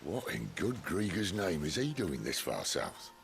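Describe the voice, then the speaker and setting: Game role: worldly British rogue, wry, gravelly and lively, insect buzz behind. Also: male voice, low voice, background noise, heavily acted. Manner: wry, folksy, unhurried banter. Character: roguish, wry, worldly male outlaw, middle-aged. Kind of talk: cinematic video game acting.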